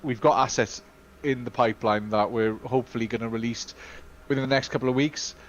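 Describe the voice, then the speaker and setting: A Welsh-speaking man co-hosting a casual live-stream Q&A, talking in a chatty, halting way full of fillers and restarts. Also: mid-range voice, fairly even intonation, muffled recording, a little hiss or hum. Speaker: studio co-host.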